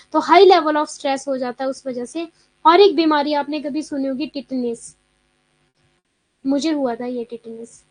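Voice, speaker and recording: A young woman with a high, bright voice runs a live online class, chatty and quick to answer students' comments. She mixes English terms into her explanations. The sound is dry and close, with no room around her. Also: no room sound. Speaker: exam coaching teacher.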